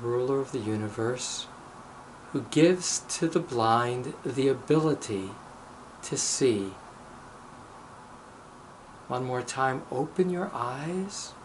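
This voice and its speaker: A man of medium pitch guides a meditation and recites blessings as a rabbi would. His delivery is very slow and deliberate, broken into short phrases with pauses. A light noise sits behind the voice. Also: poor audio. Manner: measured, deliberate, pausing between short phrases.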